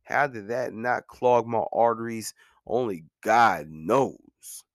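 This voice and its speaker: A podcast host in his thirties delivers a casual, earnest monologue about his own experience, repeating lines for emphasis and sprinkling in "man" and "you know what I'm saying." His lowish voice is expressive and slow, captured in a clean studio with no echo.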